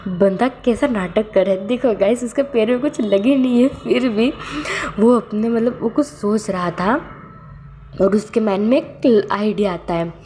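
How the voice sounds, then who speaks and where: A woman's voice: mid-range voice, warm tone, a little hiss or hum. A woman casually narrating a fan story, rambling with many fillers and self-corrections.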